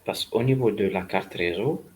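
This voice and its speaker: A man lecturing on a technical subject in a halting, didactic way, repeating key points for emphasis. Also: on the low side, a little mellow. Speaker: networking lecturer. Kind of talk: spoken university lecture.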